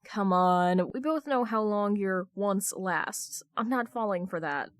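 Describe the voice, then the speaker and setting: A woman's voice: medium pitch, unhurried, no room sound, clean studio sound, lightly acted. A woman voicing a sleepy male pilot who teases and playfully protests in an audio story. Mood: tired protest.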